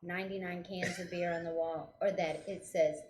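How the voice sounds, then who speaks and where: A woman's voice: little pitch movement, moderate pace, darkish tone. Woman with a hollow barrel-like echo. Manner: playful, teasing. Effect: boomy sound like inside a barrel. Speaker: co-host. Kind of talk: casual live show chat. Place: local pub, live broadcast. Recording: echoey, barrel-like room sound, faint room noise.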